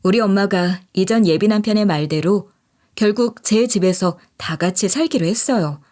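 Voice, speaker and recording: A woman DJ narrating a first-person story in an expressive, mocking storytelling manner. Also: medium pitch, moderate pace.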